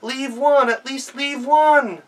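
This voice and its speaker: A man voicing a fussy, excitable household master from a folktale, with an emphatic, commanding manner. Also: very high voice, slow, recorded from a distance, voice pushed up, exaggerated voice. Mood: frantic.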